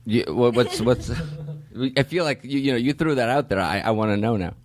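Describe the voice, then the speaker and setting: A man's voice: medium pitch, moderate pace. A man hosting a casual podcast, asking curious questions and teasing his guest. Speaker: podcast host interviewer.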